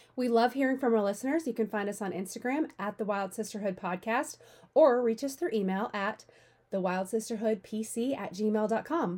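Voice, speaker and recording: A woman's voice, an unremarkable speaking voice, fairly high in pitch with ordinary pitch variation and a moderate pace, on a very clean recording with a silent background. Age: 30s. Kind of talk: casual chat.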